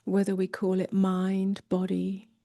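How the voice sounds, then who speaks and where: Woman, meditation teacher, very slow pace, even subdued intonation, soft near-whisper, gentle, long pauses. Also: medium pitch, no echo, clean studio sound. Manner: soft, breathy delivery drifting toward a whisper. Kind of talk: guided meditation.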